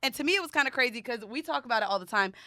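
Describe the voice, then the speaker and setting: A woman's voice: a little high, animated, rapid-fire, pushed and bright, no echo. A woman co-hosting a podcast in casual conversation, blunt, slangy and freely swearing. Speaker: podcast co-host.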